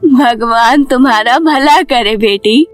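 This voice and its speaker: A woman voicing a kindly, mysterious old beggar woman in a cartoon story, with a gentle manner. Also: a little high, slow pace, faint music behind. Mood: kind, grateful. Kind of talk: Hindi cartoon moral story acting.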